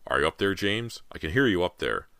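Man as a forceful, frantic father. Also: low voice, very animated, fairly quick, dry recording, studio quality, exaggerated voice. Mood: obsessed, urgent. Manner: forceful, breathless shouting. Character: frantic father desperately hunting his lost son.

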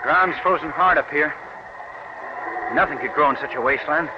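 An actor playing an earnest, resolute American wheat scientist in a 1940s radio drama. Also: male voice, fairly high pitch, moderate pace, background noise, natural voice. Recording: muffled old radio recording.

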